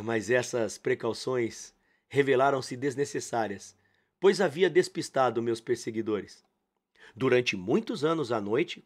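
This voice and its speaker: A man reading a memoir aloud as an audiobook, lively and dramatic, acting out quoted lines. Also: medium pitch. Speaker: audiobook reader. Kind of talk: expressive audiobook narration.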